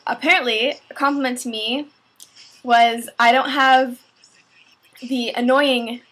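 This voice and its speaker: A young Canadian woman chatting away on her vlog, her voice a little high and breathy. She rambles loosely, stopping and restarting often with plenty of fillers. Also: steady tone, slow pace, a bit bright, low-quality recording. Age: young adult. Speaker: vlogger.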